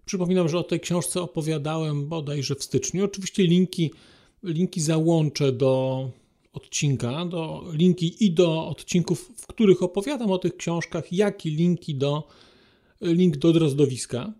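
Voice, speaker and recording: A man hosting a podcast, speaking formally and politely to listeners in a halting monologue. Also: fairly high pitch, dark tone. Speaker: podcast host.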